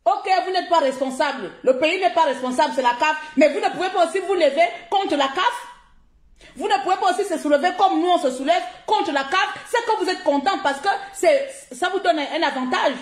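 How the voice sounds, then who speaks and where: A woman from Gabon with a high voice scolds her viewers in a heated live-stream rant, hammering her points by repeating them. She talks into her phone in an echoey room. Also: brisk. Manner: confrontational, scolding, repeats herself for emphasis. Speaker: social media live streamer.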